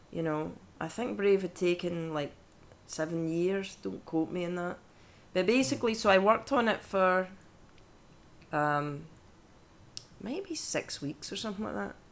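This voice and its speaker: A woman's fairly low voice in a Scottish accent, with lively intonation and long, frequent pauses. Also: moderate pace. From Scotland. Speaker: actress and voice actor. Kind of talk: casual interview chat.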